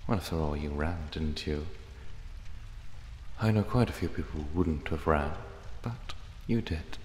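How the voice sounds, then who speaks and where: A man's voice: extremely low pitch, measured pace, a little mellow. A man playing a possessive, menacing cat demon in an ASMR roleplay, taunting with mock affection. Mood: musing, smug. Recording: echoey hall reverb, clear background noise. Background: ambient sound effects.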